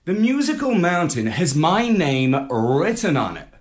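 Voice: medium pitch, sing-song, slow, voice pushed up. A storyteller voicing a cheerful, boastful male space adventurer in a children's story. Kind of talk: storybook read-aloud.

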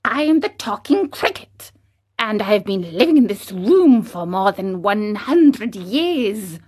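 A woman reading a storybook aloud, voicing a wise old male cricket who speaks in a calm, measured, moralizing way. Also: medium pitch, breathy edge, exaggerated voice. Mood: eerie.

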